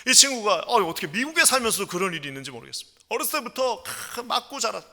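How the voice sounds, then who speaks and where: A male pastor preaching a sermon with passion, moving between quiet storytelling and loud, ringing proclamation. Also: high-pitched, sing-song, quick pace, big-room sound. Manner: impassioned, swings from hushed storytelling to loud proclamation. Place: church sanctuary.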